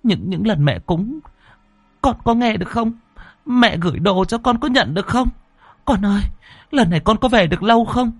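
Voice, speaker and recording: A man's voice: high-pitched, animated, normal speed, husky, no echo, soft background music, pitched above the performer's own voice, exaggerated voice. A man doing a stammering, pleading grieving mother. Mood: pleading, anxious. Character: grieving middle-aged mother, a spirit medium.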